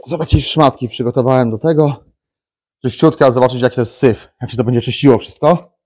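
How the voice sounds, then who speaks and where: A DIY vlogger in his thirties talks briskly in a mid-range, slightly mellow voice from a small garage workshop. He chats his way through the project casually, restarting sentences and leaning on fillers.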